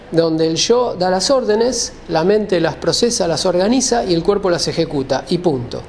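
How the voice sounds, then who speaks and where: A man's voice: high-pitched, creaky, a little mellow, slight background noise. A man giving an explanatory lecture, speaking didactically, often rephrasing and checking that listeners follow.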